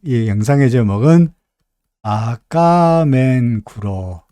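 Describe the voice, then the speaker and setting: A middle-aged stock market analyst from Korea's Gyeongsang region, with a matching accent, hosts live market commentary in a folksy, chatty style, often asking listeners "right?". His mid-range voice is animated yet unhurried and mellow, with no room sound.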